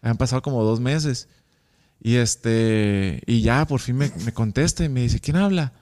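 Animated Mexican man telling a story. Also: mid-range voice, normal speed. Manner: animated, acts out quoted dialogue. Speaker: guest. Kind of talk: casual storytelling interview.

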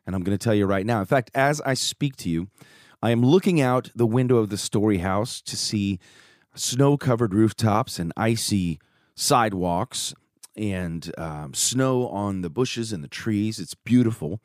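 A man with a hoarse voice hosting his podcast, upbeat and joking in casual chat. He grew up in Chicago. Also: fairly low pitch, unhurried, a little mellow, no echo, studio quality. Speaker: podcast host. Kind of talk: casual podcast monologue and interview. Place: home studio.

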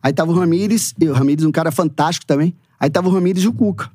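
A Brazilian man with a high-pitched voice tells his story at a brisk pace. He is animated and acts out what other people said. The sound is dry and close to the mic. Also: husky, no echo. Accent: Brazilian Portuguese. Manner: animated, acts out quoted dialogue, frequent "né" and "e tal". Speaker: football coach, podcast guest. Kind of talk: casual storytelling interview.

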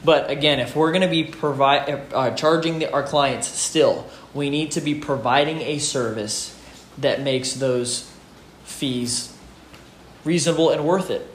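At a measured pace, a fairly high-pitched male voice gives peers earnest, casual encouragement, repeating key phrases with emphasis. This gym owner and fitness business host is sheltered under a roof at his home gym outside as a rainstorm rages. The recording is echoey, with rain pattering on the roof.

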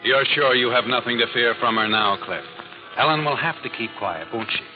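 A man's voice: mid-range voice, fairly quick, lightly acted. A man playing an all-knowing, taunting narrator of crime tales on 1940s radio, insinuating with needling questions. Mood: taunting, ominous. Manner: insinuating, second-person questioning. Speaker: narrator and host. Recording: muffled old radio, loud music behind.

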